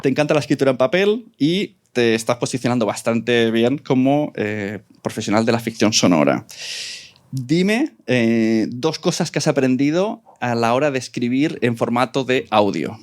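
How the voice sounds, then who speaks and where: A man's voice: mid-range voice, lively intonation, moderate pace. A man with a Spanish accent from Spain hosts a live panel before an audience. His talk is informal and playful, with teasing asides as he introduces guests and puts questions to them. His voice sits in a medium register. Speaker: event host and panel moderator. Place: live event venue with audience.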